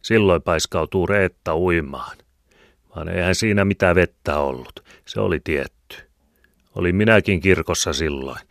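A man reads a novel aloud in a calm, measured narration. His voice is notably low, and the sound is close and dry with no room at all. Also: no room sound. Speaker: audiobook narrator. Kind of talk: scripted narration.

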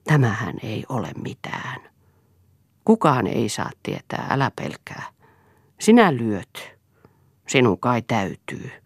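A woman's voice: very deep voice, very animated, long pauses, slightly rough, no echo, clean studio sound, full character voice. A woman reading a firm, defiant wife. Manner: firm, resolute. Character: defiant, steadfast wife standing her ground.

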